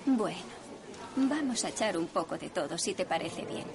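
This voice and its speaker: An actress dubbing a cheerful, chatty food bank volunteer who talks in a friendly, helpful way. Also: female voice, lowish voice, animated, moderate pace, crowd noise.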